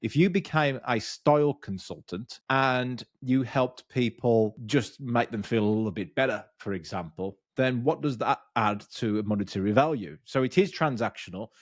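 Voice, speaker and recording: A man in his thirties with a Birmingham accent, giving blunt, energetic business coaching straight to camera and swearing freely. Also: mid-range voice, normal speed, few pauses, no echo, clean studio sound. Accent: Birmingham English. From Birmingham, England. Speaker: business coach and podcast host. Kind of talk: direct-to-camera coaching talk. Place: small dark studio room with bookshelves. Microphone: studio mic on boom arm.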